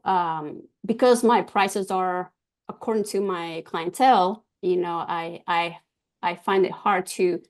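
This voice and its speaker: A woman from Argentina whose first language is Spanish, a guest talking about her business in an interview, pausing often with ums and restarts. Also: fairly low pitch, darkish tone. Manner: hesitant, many ums and restarts. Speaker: guest, cybersecurity business owner. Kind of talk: casual interview talk.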